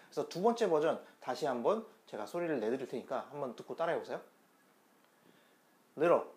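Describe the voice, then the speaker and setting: A man's voice: fairly high pitch, darkish tone. A man giving an online pronunciation lesson, explaining step by step and repeating demonstration sounds in a chatty teaching tone.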